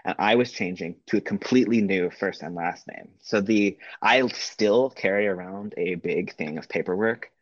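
A podcast co-host talks freely in casual chat and laughs often, his deep voice moving at a moderate pace with hardly any pauses. There's no echo, though the lo-fi audio sounds slightly dull.

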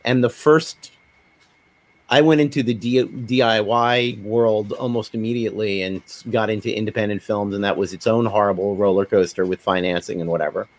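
A man's voice: fairly low pitch, fairly even intonation, moderate pace, no room sound. A middle-aged man telling anecdotes conversationally in a panel discussion, slipping into quoted dialogue as he goes. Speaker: podcast panelist, independent filmmaker.

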